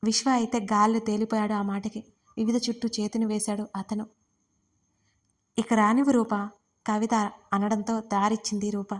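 A woman narrating a romance audio story she wrote, reading every part herself in an even, steady voice. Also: mid-range voice. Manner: reads all parts herself in an even, steady voice. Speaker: writer and narrator.

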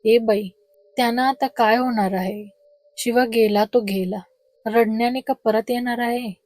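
A woman voicing a frightened elderly husband with a hoarse, trembling voice, pleading with his wife. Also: on the high side, steady tone, measured pace, darkish tone, no echo, close to an everyday voice. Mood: weary.

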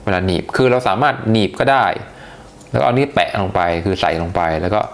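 A man's voice: on the low side, fairly quick, vocal fry. A man giving a casual, chatty unboxing review, talking with hesitations and many polite particles. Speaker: tech reviewer.

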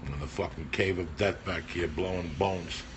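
A comedian and podcast host in his sixties runs a casual livestream from a small backstage room, talking loudly and profanely into a phone held at arm's length. His voice sits low with a steady tone, he keeps a moderate pace, and there's background noise.

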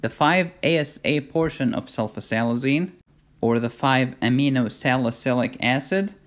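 Egyptian man giving a lively medical lecture. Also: medium pitch, normal speed. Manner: jokey, emphatic teaching with rhetorical questions. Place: voice-over recorded for a drawn lecture video.

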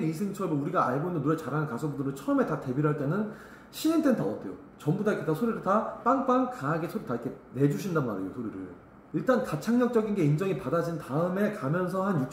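A man's voice: a little high, a little mellow, reverberant, slight background noise. A man teaching singing in a blunt, emphatic way, breaking into short sung demonstrations. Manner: blunt, emphatic, sings short demo phrases. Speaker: vocal coach. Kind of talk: vocal lesson talk to camera. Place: vocal studio.

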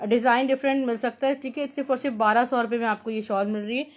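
A woman with a Pakistani accent hosting an informal live shopping sale, pitching repetitively and mixing in English words. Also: level tone, quick pace. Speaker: live-sale host selling clothes.

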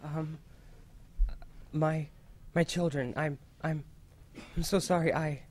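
Man playing a timid, stammering priest. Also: sits high. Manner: hesitant, stammering, anxious. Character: timid, guilt-ridden priest, pleading and helpless. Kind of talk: audio drama acting. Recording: faint music behind the voice.

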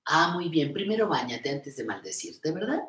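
A woman's voice: deep voice, big pitch swings, normal speed. An older woman hosts a live stream, reading viewers' comments aloud and answering them in an encouraging, affectionate way. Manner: warm, encouraging, calls viewers "reina". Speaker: host of a live show on creative aging. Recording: echoey room.

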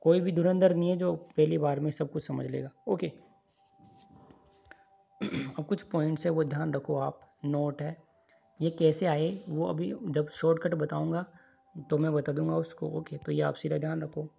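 Gravelly, mellow-voiced man lecturing. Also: on the high side, level tone, moderate pace, highs cut off, soft background music. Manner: drills formulas, constantly checks in with "ठीक है?". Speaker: engineering lecturer. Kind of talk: recorded online lecture over handwritten notes. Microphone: voice-over on screen recording.

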